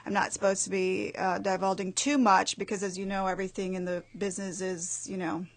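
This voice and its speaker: A woman's voice: mid-range voice, flat delivery, brisk. A woman from Belize, a guest actress on radio. She talks eagerly and piles up details, restarting her sentences as she goes. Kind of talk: radio interview answers.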